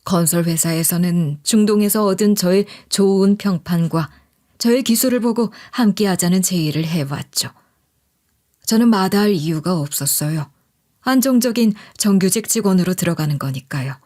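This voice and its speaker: A woman's voice: on the low side, moderate pace, dark tone. A woman reading a scripted first-person life story as a narrator.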